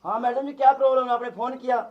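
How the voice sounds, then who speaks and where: A performer voicing a brisk, officious male police constable in a cartoon skit. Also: sits high, steady tone, dull audio, lightly acted.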